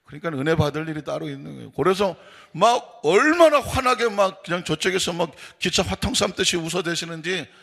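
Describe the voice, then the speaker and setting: A man preaching with a gravelly, husky voice that sits a little high for a man. He talks in a folksy, emphatic way and keeps slipping into the voices of the people he quotes. This is a dawn sermon given in a church sanctuary. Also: expressive, brisk, fairly bright tone. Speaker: pastor. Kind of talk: animated dawn-service sermon.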